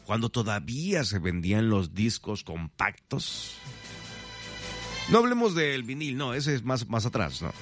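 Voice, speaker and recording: A man hosts a morning radio trivia show, chatting playfully and speaking directly to his listeners. His voice rises and falls widely as he teases the answer. Music plays clearly underneath him. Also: medium pitch, sing-song, unhurried. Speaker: radio host.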